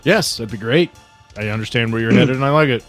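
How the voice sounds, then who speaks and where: A man with a mid-pitched voice runs a tabletop roleplaying game as its game master. He narrates the scene and gives rulings, with faint guitar music behind him. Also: fast. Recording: background music under the voice.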